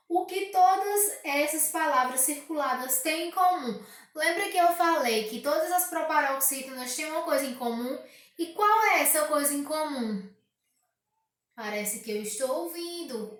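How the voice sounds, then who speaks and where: A woman with a high voice teaches a recorded grammar lesson to pupils. She reads each exercise aloud, stretching the key words and asking rhetorical questions. Her voice rings around a very echoey room. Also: fairly bright tone, recorded from a distance.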